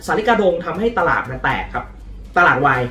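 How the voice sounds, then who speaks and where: Man, football vlog host, chatty and lively, roomy room sound. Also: a little high, a little fast, recorded from a distance. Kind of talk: casual football news vlog.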